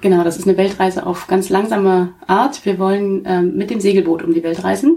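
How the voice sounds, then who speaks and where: This is an unremarkable speaking voice. It keeps a moderate pace. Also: woman. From Berlin. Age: 30s. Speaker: biochemist and mother. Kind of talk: casual interview.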